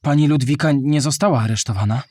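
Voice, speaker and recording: A man's voice: medium pitch, fast talker, darkish tone, no room sound, lightly acted. A man playing a curious, earnest young boy who asks questions in a children's educational audio drama. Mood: earnest, concerned. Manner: inquisitive, earnest.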